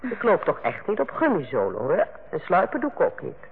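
An actress playing a stern, sarcastic head nurse who lectures and bites in a Dutch radio play. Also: female voice, lowish voice, huge pitch swings, brisk, husky, heavily acted. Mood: mocking. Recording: muffled old radio play recording.

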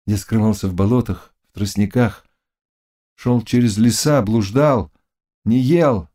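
A man voicing an exhausted young hussar knight who answers in short, halting words. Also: fairly low pitch, warm tone. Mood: weary. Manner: weak, halting, terse answers.

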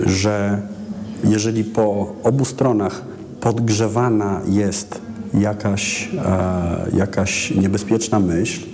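A man from Poland, a musician, answers interview questions thoughtfully and haltingly, often beginning words again. His fairly low voice sounds mellow, and there is a slight hiss or hum, long reverb, and clear music in the background.

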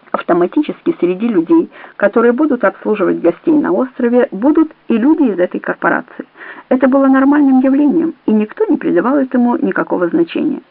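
A woman reading an audiobook in a measured, even narrating voice. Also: medium pitch, no room sound. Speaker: audiobook reader. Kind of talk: scripted narration. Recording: dry, tinny phone-like audio.

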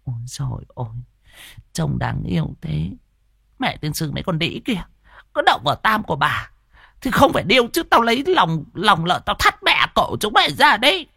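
A man voicing a fat, jealous middle-aged woman who sells tripe porridge, shrill and scolding. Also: big pitch swings, moderate pace, creaky, pushed and bright, breathy edge, no room sound, clean studio sound, full character voice. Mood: fuming.

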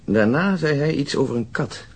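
An actor playing an unflappable, methodical police detective in a radio drama, measured and precise. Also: male voice, a little high, animated, husky. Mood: recollecting, precise. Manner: measured, precise, matter-of-fact. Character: methodical, unflappable pipe-smoking male detective with exact memory. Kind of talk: naturalistic Dutch radio drama acting.

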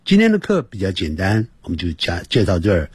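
A man's voice: low-pitched, huge pitch swings, quick pace, loud music behind the voice. A middle-aged man teaching a radio English lesson, patiently repeating words over and over to drill pronunciation.

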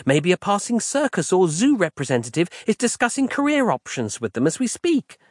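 A man's voice: sits high, sing-song, a little fast, no room sound, studio quality, pitched above the performer's own voice. A man voicing a fussy, overly polite young woman who chatters pedantically, as an audiobook character. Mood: chatty. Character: prim, fussy young woman on a walkie-talkie.

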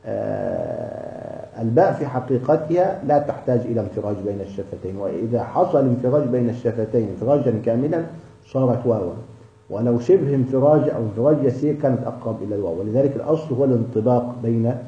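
A man's voice: medium pitch, big pitch swings, creaky, mellow. Hesitant male tajweed teacher, echoey. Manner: hesitant, with many restarts and drawn-out fillers. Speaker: Quran recitation teacher. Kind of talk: explaining tajweed in a class session. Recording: echoey, dull lo-fi room recording.

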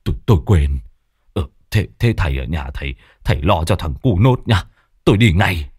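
A panicky middle-aged village father, as a narrator puts him on. The voice is very low but swings about as he babbles, close and dry. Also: lively intonation, normal speed, darkish tone, breathy edge, dry recording, exaggerated voice. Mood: sheepish. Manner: fretful, babbling.

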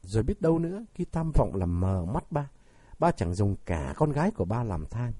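A bitter, defiant young son from a storybook taunts his father with sarcastic questions, as a man reads him aloud. His husky voice swings widely in pitch and stays dark and close to the mic. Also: big pitch swings, moderate pace, no echo. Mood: bitter mocking.

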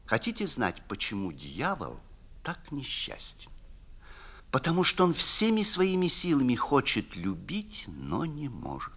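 A man voicing a sly, scheming male devil who poses as a lawyer, speaking in an insinuating manner that keeps dropping into hushed whispers, in a classic theatrical literary reading. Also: mid-range voice, wildly swooping pitch, measured pace, slightly rough, full character voice. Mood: sly, persuasive.

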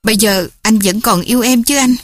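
A woman's voice: on the high side, fairly quick, a little hiss or hum, lightly acted. A woman voicing a fragile young woman who pleads with her family. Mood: distraught. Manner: pleading, tearful.

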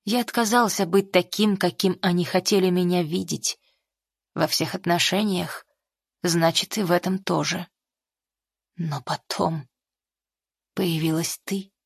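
A woman voicing a remorseful male emperor, speaking quietly and low in a confessional tone. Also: steady tone, a little slow, creaky, long pauses, breathy edge, no room sound, studio quality, heavily acted. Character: brooding remorseful male emperor, a great khan. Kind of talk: audiobook character voice.

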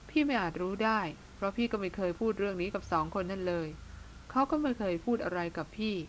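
The reader is a woman with a natural, medium-pitched voice, moving at a quick pace through the lines of a bearded older brother. He is blunt but tender, teasing his younger sister in a plain-spoken way, and a faint hiss or hum sits under the audio.

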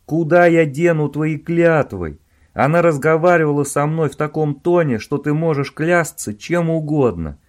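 A man voicing an angry schemer who shouts at his bungling accomplice, harsh and loud. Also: medium pitch, expressive, normal speed, voice pushed up, close to an everyday voice. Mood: furious.

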